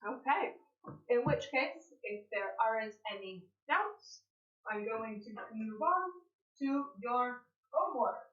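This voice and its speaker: A woman's voice: a little high, animated, slow, echoey room, dull audio. A woman teaching an online English class in an upbeat way, often checking in with "okay?".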